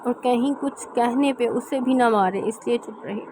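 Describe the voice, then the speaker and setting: A woman reads a romance novel aloud in a steady storytelling manner. Her voice sits slightly high, and a constant hiss runs behind the recording. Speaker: novel reader.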